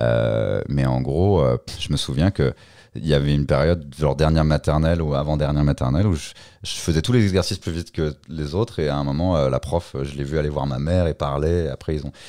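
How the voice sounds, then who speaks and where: Speaking at a fairly quick pace, a man uses a very deep, low pitch and a dark, mellow tone with ordinary pitch variation. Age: 30s. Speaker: stand-up comedian. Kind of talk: casual chat. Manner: fast.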